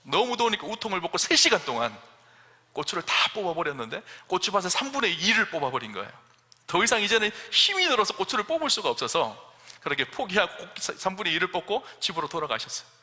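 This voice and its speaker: Middle-aged male pastor, high-ish bright voice, animated sermon storyteller, church hall reverb. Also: fast. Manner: animated storyteller acting out dialogue, rising to emphatic questions. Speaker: senior pastor. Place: church sanctuary.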